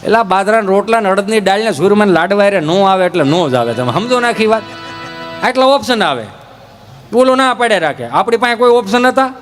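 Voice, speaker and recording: A man's voice: high voice, a little fast, in a large hall, soft background music. A man telling folksy village stories on stage as a comedian. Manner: folksy, lively, acts out village characters. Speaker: stand-up comedian. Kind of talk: folk humor storytelling on stage.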